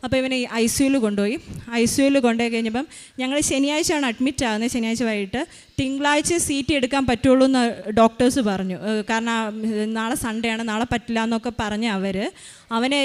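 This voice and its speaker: A woman telling a personal testimony about her child, hurrying along with many fillers and restarts. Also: on the high side. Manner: hurried, with frequent fillers and restarts. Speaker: mother giving a testimony.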